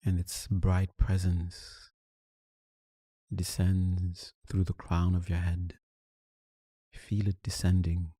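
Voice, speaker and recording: A man leading a guided meditation, giving soothing, unhurried instructions with long pauses between phrases. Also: low-pitched, monotone, dark tone, slightly rough, no room sound. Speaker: meditation teacher.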